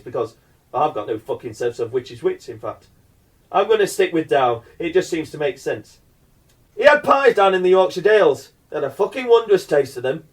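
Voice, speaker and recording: An actor playing a foul-mouthed, rambling madman in a radio play, theatrical and quick to swing into threats. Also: fairly high pitch, close to an everyday voice. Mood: rambling, amused. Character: foul-mouthed, menacing, rambling madman telling absurd tales.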